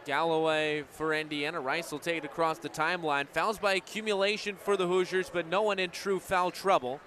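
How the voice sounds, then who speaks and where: With a high-leaning, slightly bright voice, this American broadcaster in his twenties calls the game live on radio in a flat, somewhat quick delivery. Behind him are the crowd and the ambient noise of the gym at the venue.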